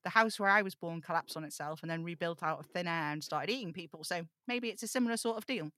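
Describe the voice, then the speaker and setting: Woman acting young amateur occult sleuth in an audio drama, lowish dry voice, chatty, fretful, rambling to listeners. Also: quick pace, sharp tone, no room sound. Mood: curious, muttering. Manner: chatty, self-interrupting, muttering asides. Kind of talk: audio drama table read, confiding monologue.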